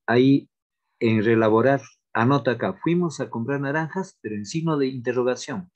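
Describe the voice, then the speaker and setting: A man teaching an online grammar class, talking haltingly with many fillers and restarts, and repeating example sentences aloud. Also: medium pitch, darkish tone.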